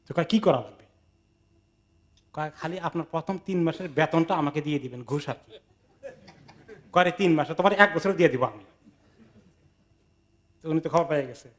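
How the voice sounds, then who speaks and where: A man delivers a relaxed sermon on Quran commentary. He talks to listeners like in a chat, voicing the people in his stories and slipping in English words. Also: fairly high pitch. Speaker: Islamic teacher giving Quran tafsir. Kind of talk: sermon-style lecture with acted anecdotes.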